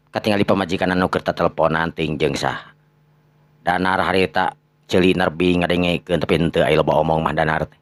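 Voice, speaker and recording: A man tells a dramatic tale in a Sundanese accent. His natural register is deep and his narration is expressive, captured dry with almost no room sound. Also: no echo. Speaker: storyteller.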